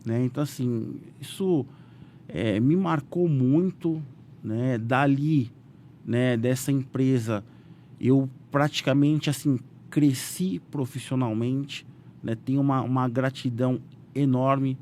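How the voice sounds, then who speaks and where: Guest: Brazilian man, animated storyteller, keeps tossing in filler tags, mid-range voice, faint background noise. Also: slow. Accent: Brazilian Portuguese. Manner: animated, voices quotes with raised pitch, frequent "né?" fillers. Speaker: businessman guest. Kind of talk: casual storytelling interview.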